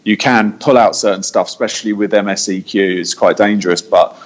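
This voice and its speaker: A man's voice: on the low side, steady tone, a little fast, muffled recording. A man hosting a casual technical podcast, talking in a conversational, explanatory way from an echoey meeting room. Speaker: podcast host and audio engineer.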